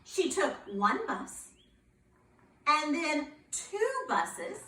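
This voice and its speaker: A woman reading a children's picture book aloud in a playful, expressive way, asking her young listeners questions. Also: high voice, drawn-out words, echoey room, recorded from a distance, a little hiss or hum, rough recording.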